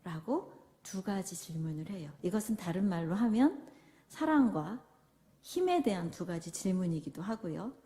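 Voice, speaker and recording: A woman's voice: on the low side, animated, normal speed, mellow. A woman giving a church parenting lecture, asking the audience questions and acting out parent and child dialogues. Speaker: parenting seminar speaker. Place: large church hall. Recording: reverberant hall.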